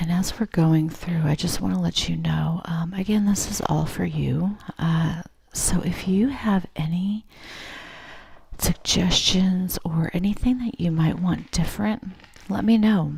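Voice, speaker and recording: A soft-spoken woman's whisper at a fairly slow pace, with noticeable background noise. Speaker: ASMR creator. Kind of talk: ASMR magazine flip-through, casual talk to viewers. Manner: soft-spoken, whispered.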